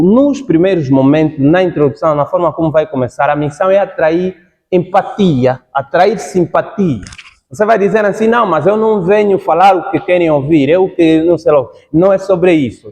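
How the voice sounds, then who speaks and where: A man's voice: on the high side, a little mellow. Man coaching in a reverberant hall. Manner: repeats points for emphasis, checks in with "ok?". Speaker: public speaking coach giving feedback. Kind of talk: spoken critique in a class.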